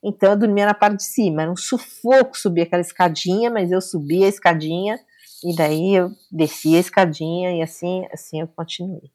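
A woman's voice: on the low side, fairly quick. A middle-aged woman, a guest telling a personal story casually and acting out the dialogue. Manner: animated, acts out quoted dialogue.

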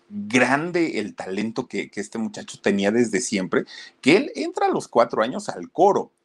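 Male narrator with a Mexican accent, low-pitched and very lively, chatty and direct with his listeners. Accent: Mexican Spanish. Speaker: history storyteller, channel host. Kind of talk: casual storytelling to an online audience.

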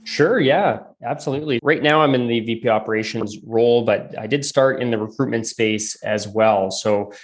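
A man's voice: medium pitch, moderate pace, hardly any pauses. A man from Calgary, Canada, a guest on a podcast, answering in a friendly way with hesitant restarts. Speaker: guest, operations executive. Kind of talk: casual interview answers.

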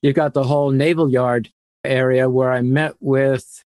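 A man's voice: mid-range voice, flat delivery, measured pace, darkish tone, no room sound. A middle-aged man as an interview guest, explaining earnestly with occasional fillers. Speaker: interview guest, urban planning author. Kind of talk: conversational interview.

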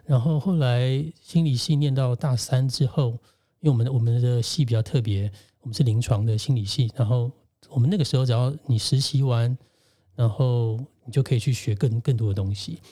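A man, a podcast guest and co-host gently telling a personal story in casual conversation. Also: mid-range voice, brisk. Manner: reflective, gentle, recounts childhood memories.

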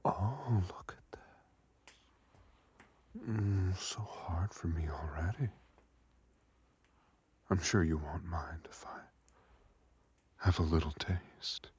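A man whispering a slow, coaxing intimate audio roleplay in a soft, breathy voice. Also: low-pitched.

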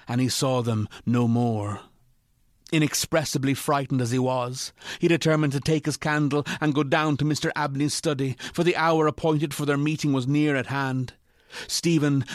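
A man reads a ghost story as narrator, in a medium-pitched voice recorded very dry. His delivery is measured and literary, suited to scripted gothic storytelling. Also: no echo.

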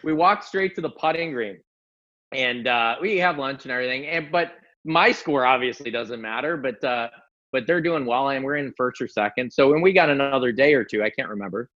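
A man's voice: medium pitch, fairly quick. A young adult man, a golf coach, telling a story as a podcast guest, acting out the lines of the people in it and laughing as he goes. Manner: lively, quotes others in dialogue, laughs often. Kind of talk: animated storytelling. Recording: dull lo-fi sound.

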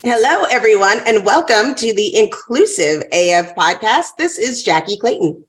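Lively woman hosting a podcast. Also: mid-range voice, normal speed, soft background music. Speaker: podcast host. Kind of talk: casual podcast chat.

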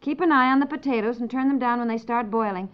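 A woman's voice: a little high, fast, smooth, close to an everyday voice. A woman playing a sensible, caring housewife and mother in a 1950s radio comedy, with natural, matter-of-fact conversational delivery. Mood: concerned, practical. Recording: dull 1950s radio recording.

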